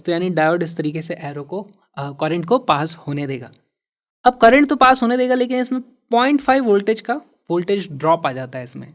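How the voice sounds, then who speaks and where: Pitched fairly high, this male physics teacher goes over exam questions in an energetic style. Important words get extra emphasis, and he sprinkles in terms borrowed from English.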